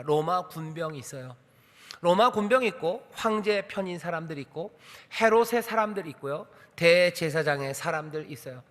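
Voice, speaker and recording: A man's voice: fairly high pitch, a bit bright. A man preaching a Sunday sermon as pastor, emphatic and full of rhetorical questions to the congregation. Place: church sanctuary. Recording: church hall reverb.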